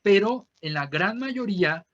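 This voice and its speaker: A man with a Mexican accent teaches an online class in a bright, fairly high voice. He explains patiently, keeps checking in with his students through tag questions, and slowly repeats words so they can copy his pronunciation. The audio is dull and lo-fi, as if it were captured over a video call. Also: lively intonation. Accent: Mexican Spanish. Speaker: language teacher.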